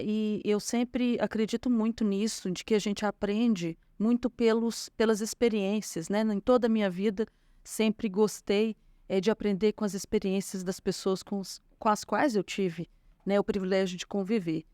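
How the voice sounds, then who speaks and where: A woman's voice: mid-range voice, no echo. A woman with a Minas Gerais accent talks through her life story as an interview guest. She leans on small fillers and restarts as she goes. Her voice sits mid-range and sounds dry and close to the mic. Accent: Minas Gerais Portuguese. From Minas Gerais, Brazil. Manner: warm storytelling with frequent fillers. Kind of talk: conversational interview.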